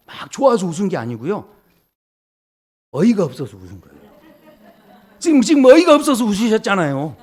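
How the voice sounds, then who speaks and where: A male pastor preaching in a church with a high, lively voice that jumps all over. He keeps it playful, cracking jokes with the congregation and acting out the people in his story. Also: husky. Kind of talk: sermon. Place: church sanctuary.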